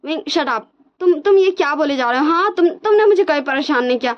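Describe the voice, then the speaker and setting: A woman's voice: high voice, animated, fairly quick, pitched above the performer's own voice. A woman voicing a frantic, lovesick young male professor who stammers and repeats himself. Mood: frantic pleading. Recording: dull lo-fi recording.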